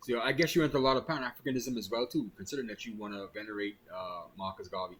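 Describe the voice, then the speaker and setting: A man's voice: fairly low pitch, steady tone, fast, a bit bright, a little hiss or hum. A man hosting a casual online interview, chatty and friendly, often tossing in the word "man" while he asks his questions. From Bahamas. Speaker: host.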